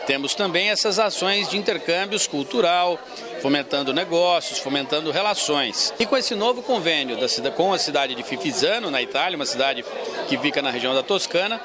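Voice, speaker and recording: A man's voice: a little high, expressive, brisk, crowd noise. A man giving an interview statement outdoors at a public event, speaking formally and listing details.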